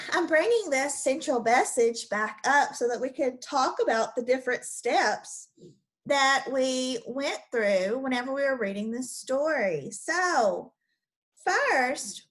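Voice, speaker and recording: Casting: young woman teacher, storybook read-aloud, high lively voice, unhurried. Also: low-quality recording. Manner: slow, expressive storybook reading with lively pitch. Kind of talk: children's picture book read-aloud and lesson.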